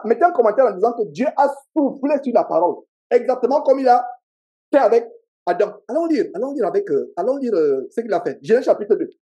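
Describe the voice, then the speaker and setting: A man's voice: very high-pitched, dark tone. A pastor with a Cameroonian French accent preaching a sermon to a congregation, emphatic and repeating his key phrases, with call-and-response. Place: church meeting.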